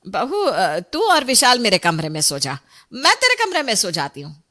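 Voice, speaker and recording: Pushy cartoon mother-in-law, lively pitch, played by a woman. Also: normal speed. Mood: bossy coaxing. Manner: bossy, coaxing. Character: pushy, dowry-proud middle-aged mother-in-law.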